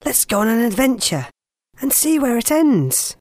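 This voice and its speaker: A brave little boy with a kind voice, as a man puts him on, pitched well above the narrator's own. Soft music plays beneath him. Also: sing-song, moderate pace, exaggerated voice. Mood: eager.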